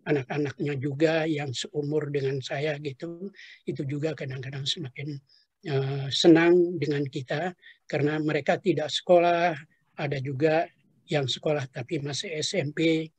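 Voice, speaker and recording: Older male interviewee, husky and a touch high-pitched, halting reminiscence full of fillers. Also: steady tone, dry recording. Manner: hesitant, many fillers and trailing asides. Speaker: interviewee, retired professor.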